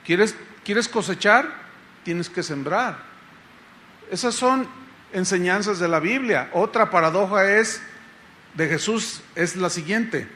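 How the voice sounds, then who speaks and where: A middle-aged Mexican pastor preaching a sermon in a conversational style, often asking the congregation rhetorical questions. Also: male voice, sits high, takes it slowly, bright, forceful tone. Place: church congress hall.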